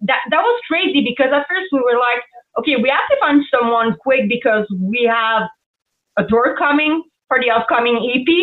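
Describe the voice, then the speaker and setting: In a French Canadian accent, a woman speaks at a high pitch and a moderate pace, with ordinary pitch variation and very even loudness. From Quebec, Canada. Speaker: rock band vocalist. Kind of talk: casual interview.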